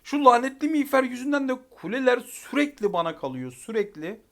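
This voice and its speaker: A man giving live commentary over a mobile game, exasperated and barking rapid repeated commands, then calmly talking to viewers at the end. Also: extremely high pitch, creaky. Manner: calm wrap-up talk to viewers at the end.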